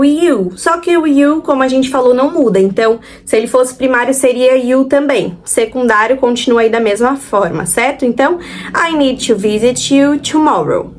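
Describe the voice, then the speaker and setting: A Brazilian woman teaches an English grammar lesson in a fairly high voice. She drags out each example sentence slowly, says it twice, and keeps checking in with her students. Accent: Brazilian Portuguese. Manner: slow, drawn-out model sentences with repetition, frequent "certo?" checks.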